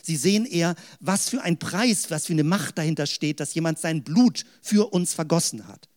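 German man teaching theology, higher-pitched. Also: lively intonation, normal speed, a little mellow. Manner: explanatory, with fillers like "sag ich mal". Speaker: preacher.

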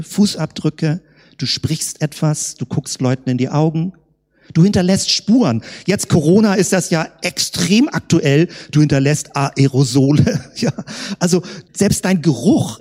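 Woman preacher, husky voice, animated lively pitch, rhetorical questions, long reverb hall. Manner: rhetorical questions, slowed emphatic words. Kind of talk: sermon.

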